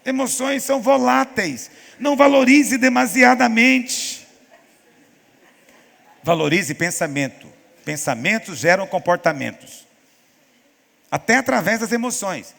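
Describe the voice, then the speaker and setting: A man preaching as a pastor in a church teaching session, telling stories and acting out quoted voices with lively emphasis. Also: high-pitched, a little slow, creaky, big-room sound. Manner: animated storytelling, acts out quoted voices.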